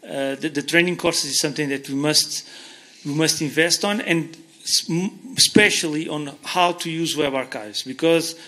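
A man's voice: on the high side, normal speed, hardly any pauses, pushed and bright. Portuguese-accented man answering questions on stage. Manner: earnest, explains with hand gestures, frequent restarts. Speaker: invited speaker answering audience questions. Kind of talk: conference Q&A. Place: conference hall stage, seated in armchair. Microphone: handheld mic.

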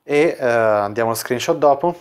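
A man's voice: mid-range voice, animated, moderate pace, clean tone. A man working as a dating coach, casually explaining chat screenshots and leaning on filler words as he talks. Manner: casual, full of "quindi" fillers.

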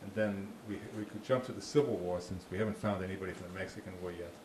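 This man's voice sits low and steady, and he talks fast. He's a Boston-accented park ranger using a handheld mic for an informal talk with audience questions in a small, dark meeting room with a slide screen, chatty, with many restarts and dry jokes. The recording has echo and faint noise.

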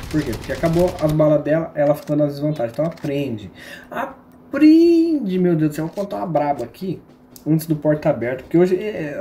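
A man's voice: a little high, dark tone, slight background noise. Slangy Brazilian man commentating a game. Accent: Brazilian Portuguese. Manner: slangy, joking, teasing the viewers. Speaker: game streamer. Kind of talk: live gameplay commentary.

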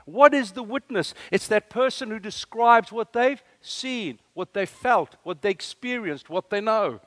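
A man from South Africa with an Afrikaans accent, preaching an animated sermon and asking the room questions. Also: sits high, unhurried, no room sound. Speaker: guest preacher.

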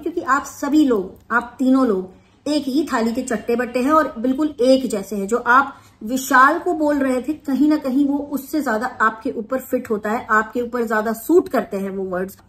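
A woman's voice: on the high side, a bit bright. A woman hosting a reaction vlog who gives indignant, sarcastic opinion commentary and mixes English phrases into her speech. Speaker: reaction video host.

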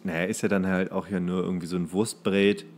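A man's voice: deep voice, little pitch movement, quick pace, darkish tone, slight background noise. A man, co-hosting a podcast in casual banter with a friend. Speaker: podcast co-host.

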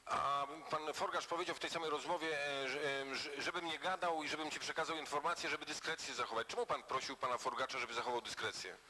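A man's voice: fairly high pitch, steady tone, quick pace, hardly any pauses, a crowd in the background, poor audio. A man on an inquiry committee questioning a witness in a hearing room, persistent and formal, reading out excerpts of transcripts.

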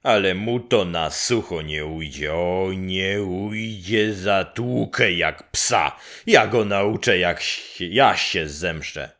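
A man voicing a hot-tempered young peasant soldier, speaking loud and agitated in a storybook reading. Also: low-pitched, animated, takes it slowly, hardly any pauses, full character voice. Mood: furious.

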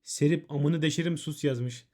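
At normal speed and with a slightly high, steady, darkish voice, a man on stream goes through ban appeals sent by viewers. He reads each chat message out and replies in a blunt, profane, laid-back way.

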